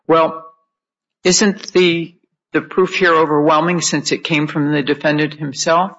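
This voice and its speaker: A man, an appellate judge, questioning counsel in a halting, deliberate way. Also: on the high side, fairly even intonation, a bit bright. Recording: dull lo-fi courtroom audio.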